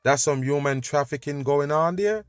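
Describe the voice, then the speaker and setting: A man's voice: fairly high pitch, normal speed, clear, resonant tone, soft background music. A male host reacting to video clips with emphatic, scornful commentary, urging listeners to pay attention.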